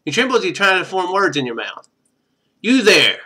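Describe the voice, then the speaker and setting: Male streamer, higher-pitched and animated, reading a visual novel aloud with loose conversational asides. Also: fast, husky. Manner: rambling, chatty asides between read passages. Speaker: game streamer.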